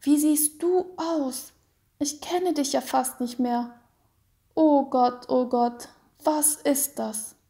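A woman voicing a small, frightened boy in a storybook reading, pleading in a high, crying voice. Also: unhurried, dark tone. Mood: shocked.

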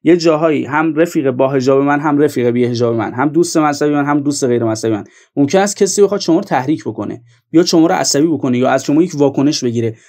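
Male commentator, fairly high voice, earnest, talks straight to viewers. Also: a little mellow. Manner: earnest, addresses viewers directly. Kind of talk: online video commentary.

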